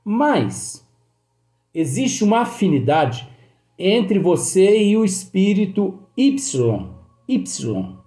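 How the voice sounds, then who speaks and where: A man with a Brazilian Portuguese accent who teaches in a slow study talk, reading passages aloud and explaining them again with many fillers. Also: high voice, sing-song, warm tone, echoey room. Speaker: spiritist teacher.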